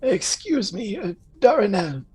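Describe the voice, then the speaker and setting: A woman plays a courteous, curious magic user in a tabletop game. The voice is husky and slow, with a hesitant politeness. Music sits faintly behind. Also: mid-range voice, very animated, mellow, heavily acted. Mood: polite, hesitant. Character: polite, curious spellcasting investigator. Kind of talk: tabletop role-play.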